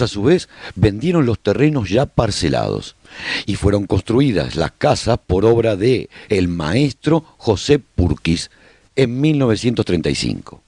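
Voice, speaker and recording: A man narrates a scripted radio serial in a documentary tone, with measured, deliberate phrasing. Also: fairly low pitch, gravelly, darkish tone, dry recording, clean studio sound.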